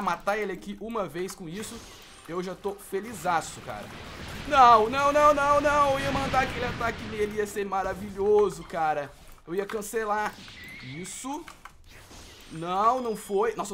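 Young brazilian guy yelling over his game, voice jumps all over, lil game music behind. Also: sits high. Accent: Brazilian Portuguese. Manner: emotional, exclaims and groans at each hit and miss. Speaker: gaming video host. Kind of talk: excited gameplay commentary.

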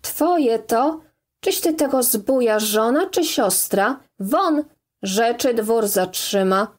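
Woman putting on a coarse bullying man, storybook figure, shouting, high pitch. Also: lively intonation, slow. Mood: hostile. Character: coarse, hostile man, a forester's tenant.

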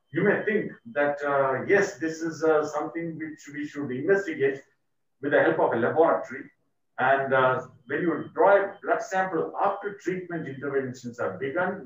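A man with an Indian accent gives a formal, measured medical lecture, his voice muffled by the face mask he is speaking through. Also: mid-range voice. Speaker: toxicology lecturer, poison centre doctor. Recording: muffled, very echoey, distant microphone.

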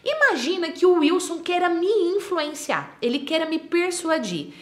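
A woman's voice: very high voice, very animated, moderate pace, a bit bright. A woman with a Brazilian Portuguese accent, a persuasion mentor teaching straight to camera with energy, asking herself questions and answering them. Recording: roomy echo.

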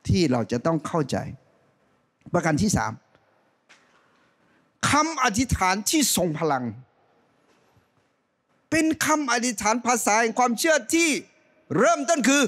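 Lively middle-aged man preaching. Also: unhurried, pauses often. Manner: animated preaching, swinging between loud rising calls and soft low asides. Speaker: pastor. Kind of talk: sermon. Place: church stage, indoors. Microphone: handheld mic.

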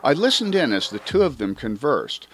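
A man's voice: mid-range voice, sing-song, normal speed. A man reading a spy story audiobook in a theatrical, emphatic first-person narration. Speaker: audiobook reader.

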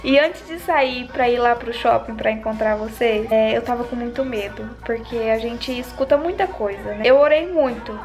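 Young woman vlogger, higher voice, chatty and warm toward viewers, phone held at arm's length. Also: normal speed, hardly any pauses, soft background music. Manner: chatty, talks to viewers and baby. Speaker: vlogger host. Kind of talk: casual vlog chat. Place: bedroom in bed at night. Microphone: phone selfie at arm's length.

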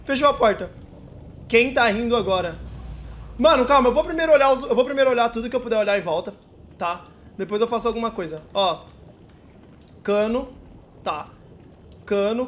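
A man's voice: very high voice, fairly bright tone, slight background noise. A young man streaming a horror game, panicking, repeating himself and shrieking when scared, shaky and sweating. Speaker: gamer streamer. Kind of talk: horror game let's play commentary.

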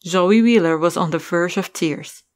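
A woman's voice: lowish voice, measured pace, soft background music. A woman reading scripted story narration as the narrator of an audio drama.

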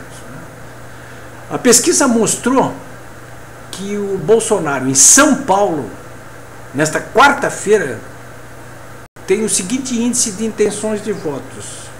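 Opinionated older Brazilian man, lively pitch. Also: reverberant, a little hiss or hum. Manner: chatty, opinionated, frequent tag questions. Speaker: political commentator. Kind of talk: casual political commentary to camera. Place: home office with bookshelf, indoors. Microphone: webcam at desk.

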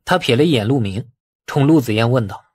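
A male audiobook narrator reads a scripted story in a husky voice. His pitch moves around in a lively way, and the recording is dry and close. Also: a little fast, no echo.

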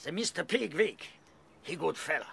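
An actor playing a gruff, excitable male seabird in a radio play, speaking halting broken English. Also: fairly high pitch, heavily acted. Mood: cheerful, scheming. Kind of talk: radio drama acting.

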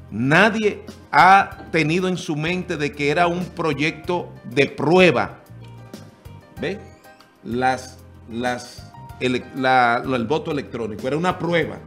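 A middle-aged man questions a guest pointedly on a TV panel, pausing and restarting as he builds his point. His voice sits at an ordinary mid pitch into a desk microphone, with soft music underneath. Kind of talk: TV panel discussion. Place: TV studio.

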